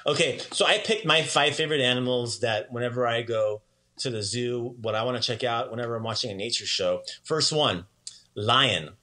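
Upbeat and chatty, a man runs a casual language lesson, slowly repeating words so learners can follow. His voice sits mid-range with a sharp tone.

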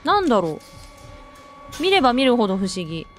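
A woman's voice: on the high side, very animated, fairly quick. A woman playing a horror game and commenting as she goes, jittery and jokey, who bursts into frightened shrieks. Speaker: let's play gamer. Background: faint game music.

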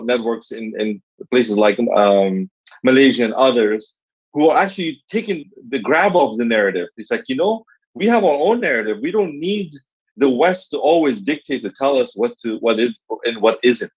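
A man in his forties who grew up in Los Angeles, speaking in a friendly way with frequent pauses at an online ceremony over a video call. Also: medium pitch, husky, lo-fi sound. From Afghanistan, raised in Los Angeles. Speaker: guest speaker.

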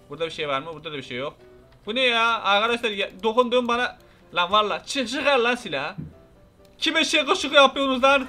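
A man's voice: sits high, bright, forceful tone. A young man giving casual, rowdy gameplay commentary, chatting to viewers and mock-threatening game characters. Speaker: gameplay YouTuber. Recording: faint music behind.

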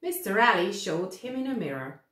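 A woman in her thirties reading a children's story aloud in a deliberate, animated way to young listeners. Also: mid-range voice. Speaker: storybook reader. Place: small room indoors. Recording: echoey room.

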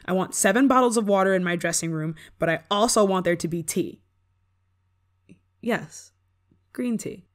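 A woman playing a haughty young pop star who is prickly but secretly soft, in an ASMR roleplay, bragging and easily flustered. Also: mid-range voice, normal speed, pauses often, natural voice. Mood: haughty, impatient. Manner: tsundere: bragging and dismissive, flustered stammering when touched. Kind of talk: ASMR roleplay acting, one-sided dialogue.

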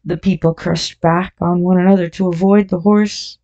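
A woman narrating an audiobook in a measured, deliberate scripted reading. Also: on the low side, steady tone, mellow. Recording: dull lo-fi audio.

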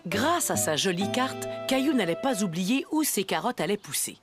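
Lively, gentle storybook narrator played by a woman. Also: medium pitch, normal speed, lightly acted. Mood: gentle storytelling. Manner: gentle, clearly phrased. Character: kindly storytelling woman reading to children. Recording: music behind the voice.

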